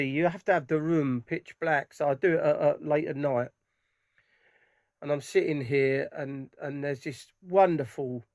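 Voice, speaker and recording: A middle-aged man giving rambling, enthusiastic impressions of loudspeakers from a dark room at home. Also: fairly high pitch, no echo, clean studio sound. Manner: rambling, enthusiastic, many restarts. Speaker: audio hobbyist vlogger. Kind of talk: casual product impressions.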